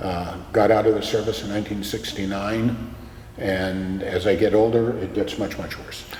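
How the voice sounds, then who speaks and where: A man's fairly low voice at a moderate pace with fairly even intonation, amid audible room echo and noticeable background noise. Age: 60s. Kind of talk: casual interview.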